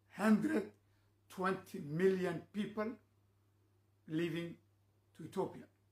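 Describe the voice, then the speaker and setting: With a non-native accent, a man with a high pitch talks at a fairly slow pace, with long, frequent pauses and ordinary pitch variation. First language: Somali. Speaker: traditional clan leader and political commentator. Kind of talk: political speech. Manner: emphatic, urgent.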